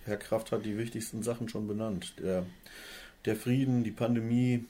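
A man's voice: lowish voice, steady tone, normal speed, mellow. A man in his forties, a company director, answering interview questions hesitantly with many fillers. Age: 40s. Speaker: company director, radio guest. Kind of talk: radio interview.

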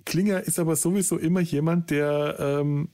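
Hesitant German-speaking podcast host. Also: male voice, on the high side, steady tone, moderate pace, mellow. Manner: thoughtful, hesitant with many fillers and restarts. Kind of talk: casual podcast chat.

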